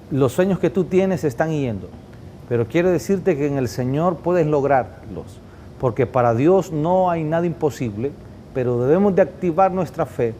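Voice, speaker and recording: A man hosts a Christian TV show in a fervent preaching rhythm, piling up repeated phrases. His voice sits slightly high but sounds mellow and warm, with a faint low rumble under it. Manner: fervent, repetitive preacher cadence. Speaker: host of a Christian TV program. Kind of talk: preaching television interview.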